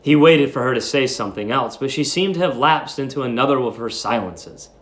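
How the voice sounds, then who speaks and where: A man's voice: mid-range voice, expressive, a little fast, fairly bright tone. A man speaking as a teacher, reading a story aloud and explaining it informally.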